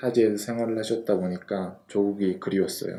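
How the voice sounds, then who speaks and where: A man's fairly low, dark and mellow voice with a Mongolian accent, flat monotone intonation and a fairly quick pace. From Mongolia, partly raised in Seoul. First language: Mongolian (speaking Korean). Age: 20s. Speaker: real estate agent. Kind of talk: interview.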